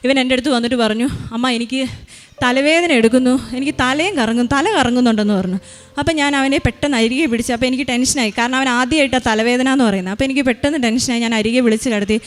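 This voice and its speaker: A woman in her thirties, a mother giving a personal faith testimony, rushing through it with frequent hesitations and restarts. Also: fairly high pitch. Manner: rushed retelling with many restarts and hesitations.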